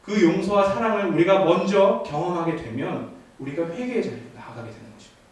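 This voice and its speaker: A man's voice: high-pitched, lively intonation, fast talker, a little mellow. A man in his thirties preaching a youth sermon, telling a family story with asides to the congregation. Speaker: youth ministry pastor. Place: church sanctuary. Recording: echoey church from far off.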